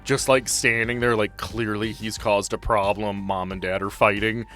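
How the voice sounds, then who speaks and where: A man acting as game master, improvising conversational scene narration in a halting way. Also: on the low side, level tone, fairly bright tone, soft background music.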